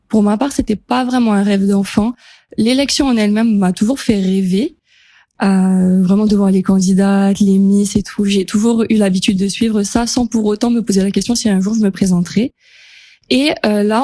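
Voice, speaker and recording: Mellow-voiced young woman in a dry studio. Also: medium pitch, no room sound. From French Polynesia. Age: 20s. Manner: relaxed, chatty, laughs easily, frequent hesitations. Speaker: pageant contestant guest. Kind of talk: casual radio interview. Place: radio studio.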